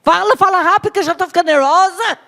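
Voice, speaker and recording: A woman's voice: very high-pitched, fast talker, pushed and bright, pitched above the performer's own voice, full character voice. Woman doing a bossy scheming queen. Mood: impatient. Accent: Brazilian Portuguese. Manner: bossy, impatient, commanding.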